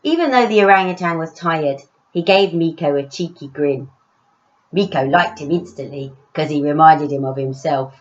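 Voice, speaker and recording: A woman author reading her own story aloud in an expressive children's storytelling style. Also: low voice, moderate pace, muffled recording.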